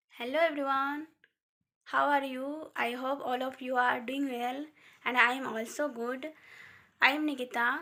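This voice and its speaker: On a very clean recording with a silent background, a woman with an Indian accent speaks at a moderate pace in a high, bright, sharp voice with monotone, flat intonation. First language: Hindi. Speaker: English learner vlogger. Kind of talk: casual vlog. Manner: halting.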